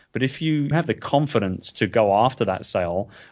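A man with a London accent. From London, England. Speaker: entrepreneur. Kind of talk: interview.

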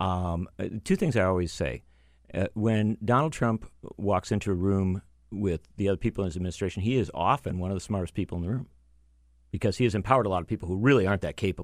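A very fast-talking man with an American accent, fairly low pitch and ordinary pitch variation, on a very clean, silent recording that is dry and close with no echo. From US Midwest, Wisconsin. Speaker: political journalist and author. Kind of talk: political talk show discussion. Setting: studio.

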